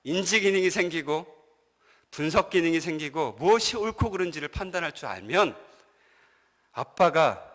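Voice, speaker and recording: Korean pastor preaching in a reverberant church. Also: male voice, a little high, normal speed, long pauses. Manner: animated storytelling, asks the congregation questions. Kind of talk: sermon. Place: church sanctuary.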